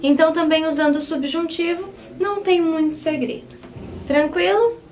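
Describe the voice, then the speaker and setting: A Brazilian woman with a high voice and a Brazilian Portuguese accent gives an online Spanish lesson. She explains patiently and keeps checking in with her students. Her voice sounds a little distant from the mic. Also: steady tone, normal speed, darkish tone. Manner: patient, checks in often with the class. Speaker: Spanish teacher.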